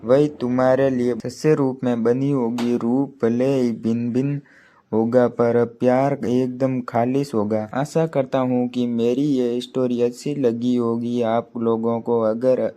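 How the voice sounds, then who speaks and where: A man narrating a short emotional story at a slow, halting pace. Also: mid-range voice, flat delivery, warm tone. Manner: slow, halting reading with restarts.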